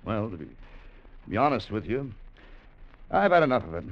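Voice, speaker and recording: Brief: a deep-voiced, wary old-hand diver, muffled radio sound. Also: male voice, big pitch swings. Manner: measured, wary. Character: cautious veteran male deep-sea diver. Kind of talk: 1940s radio acting.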